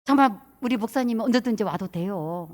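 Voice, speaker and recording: A woman's voice: on the high side, animated, fairly quick, a little mellow. A middle-aged woman pastor preaching a sermon in a church, telling stories and acting out her members' voices. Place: church sanctuary.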